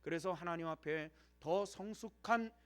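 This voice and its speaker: A man's voice: high voice, moderate pace. An older man, a retired pastor, preaching a sermon with dramatic swings and acted-out angry quotes.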